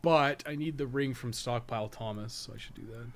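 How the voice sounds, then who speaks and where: A man's voice: medium pitch, brisk. A man giving casual live game-stream commentary, thinking aloud in a rambling, blunt way and swearing freely. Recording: clear background noise.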